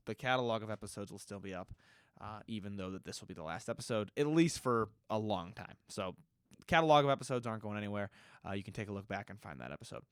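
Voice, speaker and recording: A podcast host with a stuffy nose answers listener questions in a lowish, smooth voice, rambling casually with many fillers and restarts. The recording is dry with clean studio sound.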